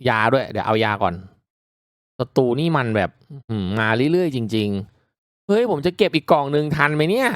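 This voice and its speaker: A man giving casual, reactive commentary as he hosts a mobile game playthrough, chatting politely to viewers with excitable exclamations. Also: medium pitch, fairly quick, dry recording, studio quality. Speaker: gaming video host.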